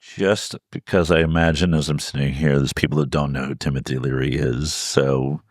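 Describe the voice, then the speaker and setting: A man in his fifties with a very deep, low voice hosts an interview. He talks easily and conversationally, with plenty of "um"s. The recording is close and dry. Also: normal speed, no echo. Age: 50s. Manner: relaxed, conversational, with frequent "um" fillers. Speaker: podcast host.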